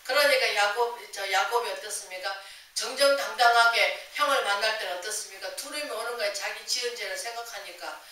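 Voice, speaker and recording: A woman's voice: mid-range voice, brisk, bright, forceful tone. Give me a woman preaching a sermon who throws rhetorical questions at the congregation, recorded from far off in a very echoey church. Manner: acts out quoted voices. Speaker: pastor. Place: church sanctuary.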